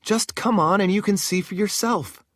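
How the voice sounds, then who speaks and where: A man's voice: high voice, moderate pace, fairly bright tone, no room sound, clean studio sound, voice pushed up. A man doing an earnest, urgent sorceress.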